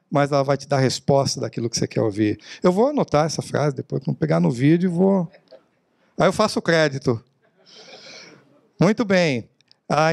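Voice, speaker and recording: A middle-aged man gives a motivational talk, acting out little scenes in his own voice. His voice sits fairly high and has a gravelly edge. The sound is dry and close, with no room echo. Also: darkish tone. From Brazil. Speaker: motivational speaker. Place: lecture hall.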